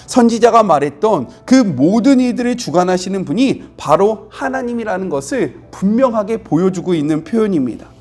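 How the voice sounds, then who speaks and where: A man's voice: sits high, lively intonation, moderate pace, few pauses, a little mellow. A middle-aged man preaching a devotional sermon as a pastor, explaining scripture earnestly and voicing the quoted lines with growing intensity.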